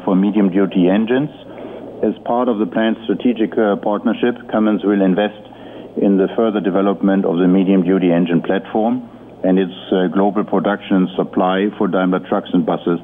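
Male executive for an earnings call: lowish voice, formal, hesitant delivery, heard over a thin telephone connection. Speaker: company executive. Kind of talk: prepared earnings-call presentation. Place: conference call line. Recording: muffled phone-line audio with noise.

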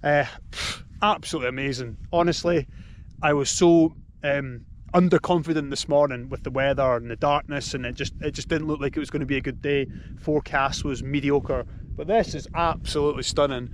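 A man's voice: fairly high pitch, fairly even intonation, brisk. An enthusiastic, awestruck man casually narrating his hike outdoors in an exclamatory way. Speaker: hiking vlogger. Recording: noisy outdoor handheld recording.

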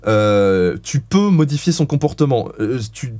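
A man's voice: mid-range voice, animated, a little slow, darkish tone, dry recording. A man giving dog-training advice as an interview guest, explaining in a frank, blunt way with casual swearing.

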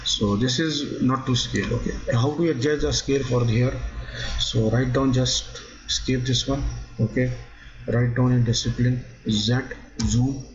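Halting man with a lo-fi mic. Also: medium pitch, steady tone. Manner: halting, repeats "okay" often, non-native phrasing. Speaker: drafting instructor. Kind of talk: screen-recorded software tutorial. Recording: dull lo-fi sound.

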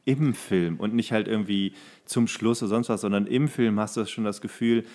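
A man's voice: on the low side, a little mellow. Rambling man in casual podcast chat. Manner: rambling, halting, searching for words. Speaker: podcast host.

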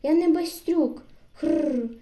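A woman voicing a sullen, defiant peasant boy who is an outcast, throwing out sharp outbursts and grunts. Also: sits high, normal speed, natural voice.

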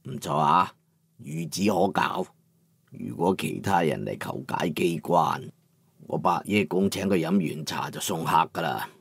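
A man doing a deep, calm old craftsman. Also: gravelly, slightly rough, no echo, exaggerated voice. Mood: calm, measured. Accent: Cantonese. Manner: flat, unhurried, placid delivery. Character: calm elderly male master craftsman. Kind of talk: audiobook character voice.

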